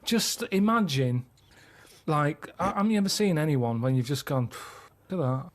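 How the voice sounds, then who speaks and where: A man, a regular on a radio show, explaining his ideas in a halting, rambling, deadpan way. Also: on the high side. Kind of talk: casual radio banter.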